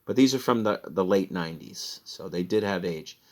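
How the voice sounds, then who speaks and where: In a deep, somewhat dark voice at a moderate pace, a Midwestern American man goes over things he resold online. His casual sales recap drifts around, chatty and full of laughs at himself.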